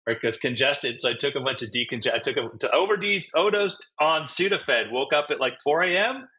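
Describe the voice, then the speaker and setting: A man's voice: medium pitch, animated, a little fast, pushed and bright. A man co-hosting a podcast, laid-back and dry in casual chat. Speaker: podcast co-host.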